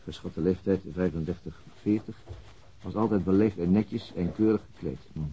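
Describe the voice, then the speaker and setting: A man playing a sober, methodical police detective in a radio drama, reasoning in a deliberate, matter-of-fact way. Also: low voice, mellow, breathy edge. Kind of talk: Dutch radio drama acting. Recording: dull, lo-fi radio drama recording.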